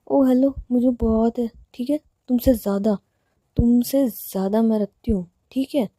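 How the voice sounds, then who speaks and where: A woman's voice: on the high side, fairly even intonation, normal speed, mellow, no room sound, clean studio sound, close to an everyday voice. A woman voicing a playful, teasing young woman in love who coaxes and plays with words. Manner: teasing, coaxing, wordplay.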